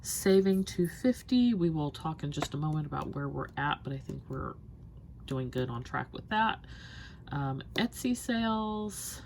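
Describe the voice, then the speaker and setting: Low-pitched young woman, stuffy nose, chatty with many ums, faint room hiss. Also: expressive, a little slow, a little mellow. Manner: chatty, lots of ums, rambling asides. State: stuffy and sniffly. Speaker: budget planner vlogger. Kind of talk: casual chatty budget check-in.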